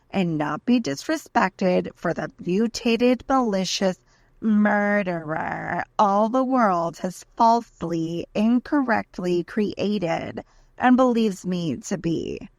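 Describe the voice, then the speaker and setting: A woman's voice: medium pitch, no echo. A woman giving a dramatic reading as an aggrieved, desperate defendant, indignant and emphatic as she pleads her case in a letter. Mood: indignant, pleading. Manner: indignant, emphatic, deliberate list-like delivery.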